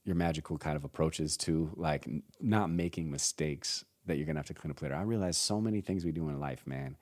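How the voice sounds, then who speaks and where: A man of about forty hosts a relaxed podcast conversation in a very deep, low voice. He talks loosely and casually, laughing often and dropping "man" into his sentences. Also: a little fast, no echo, studio quality. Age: around 40. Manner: laid-back, laughs often, says "man" a lot. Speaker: podcast host. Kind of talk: casual chat.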